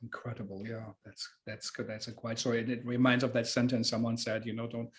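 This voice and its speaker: Male interviewer, medium pitch, halting, digressive, unscripted introduction style. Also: little pitch movement. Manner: halting, digressive, searching for words. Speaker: talk host and interviewer.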